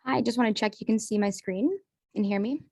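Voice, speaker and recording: A young woman from the United States giving a brisk, friendly webinar presentation over a video call, with frequent ums. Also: medium pitch, steady tone, darkish tone.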